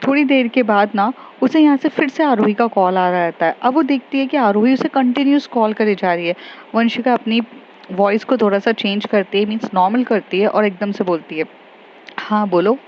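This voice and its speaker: A woman's voice: mid-range voice, a little fast. Chatty woman retelling a story. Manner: chatty, many fillers, mixes English into Hindi. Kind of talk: casual spoken story retelling. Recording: slightly dull, faint background noise.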